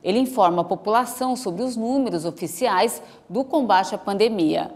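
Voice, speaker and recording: A woman's voice: mid-range voice, normal speed. Formal woman newsreader. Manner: steady, formal delivery. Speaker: news anchor. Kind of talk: live newscast reading. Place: outdoor studio set with trees. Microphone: lapel mic.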